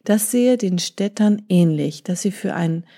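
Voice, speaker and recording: A woman voicing a greedy, short-tempered male bird hunter in a storybook reading, gruff and scornful. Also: medium pitch, expressive, measured pace, mellow. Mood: angry.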